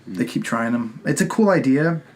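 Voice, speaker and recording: A man's voice: mid-range voice, expressive, normal speed, background noise. A young man talking casually as a podcast host, chatting with friends about movies.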